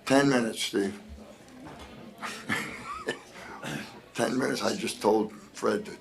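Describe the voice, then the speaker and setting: A man with a New Jersey accent, a mayor chairing a town meeting, hoarse from losing his voice and joking in a folksy way. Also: lowish voice, huge pitch swings, drawn-out words. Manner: jokey, folksy.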